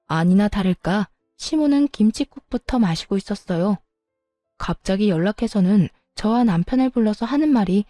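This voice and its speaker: A woman's voice: medium pitch, dark tone, no echo, clean studio sound. A young woman narrating her own family story in a confiding, gossipy way.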